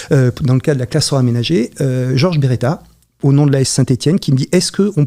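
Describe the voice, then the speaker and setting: Very fast and somewhat breathy, a man speaks at a fairly high pitch with a dark, mellow tone. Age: 60s. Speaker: park founder and former school principal. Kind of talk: radio interview. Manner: halting, many fillers.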